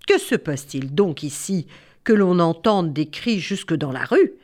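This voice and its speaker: A woman voicing a stern queen who gives orders in a lowered, imperious voice. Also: animated, measured pace, a little mellow. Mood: commanding.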